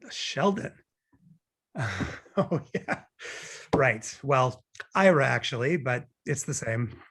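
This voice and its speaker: Actor playing a wry, gravelly divorcing man. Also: mid-range voice, animated, slow pace, fairly bright tone, heavily acted. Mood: rueful. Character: Harry, wry, morbidly joking, newly divorcing male consultant. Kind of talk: table read of romantic comedy film script.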